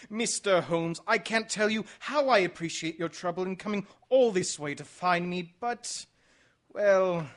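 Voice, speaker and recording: Man playing a high-pitched, suave gentleman rogue. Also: measured pace. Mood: nonchalant, evasive. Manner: suave, chuckling, theatrical. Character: debonair, sly English gentleman exile, Foreign Legion deserter. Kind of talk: radio mystery drama acting.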